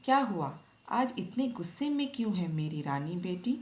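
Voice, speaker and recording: A woman teacher voicing a loving mother who consoles her daughter in a storybook reading, speaking gently and affectionately. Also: fairly low pitch, big pitch swings, slow pace, exaggerated voice. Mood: tender, coaxing. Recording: echoey room.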